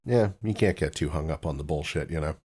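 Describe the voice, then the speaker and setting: Deep-voiced man hosting a loose podcast. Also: quick pace, a little mellow, husky. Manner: loose and joking, with many fillers and restarts. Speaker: podcast host. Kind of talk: casual chat.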